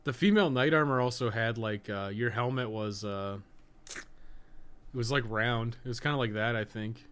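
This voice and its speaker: Here the same kind of gaming commentary comes in a man's mid-range, slightly bright voice at normal speed. He's a podcast co-host playing a video game, rambling, blunt and grumbly with casual swearing, and the background is clearly noisy.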